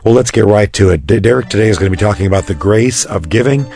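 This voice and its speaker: A man hosting a Christian radio program, his voice a bit raspy, chatting casually with some stumbles. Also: fairly low pitch, lively intonation, quick pace, faint music behind. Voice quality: raspy today. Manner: warm conversational chat, some stumbles. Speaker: radio show host.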